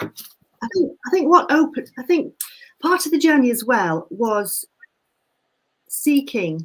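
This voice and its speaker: With very wide pitch swings and long, frequent pauses, a woman speaks in a high voice. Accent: Yorkshire. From West Yorkshire, England. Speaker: druid practitioner, nurse. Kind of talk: casual chat. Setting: live video stream.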